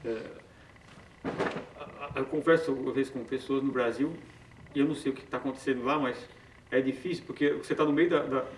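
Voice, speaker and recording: A man's voice: mid-range voice, fairly even intonation, brisk, long pauses. Male Bible study leader, chatty teaching tone, distant mic in a roomy space. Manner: conversational, frequent tag questions, self-corrections. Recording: far from the mic in an echoey room with faint background noise.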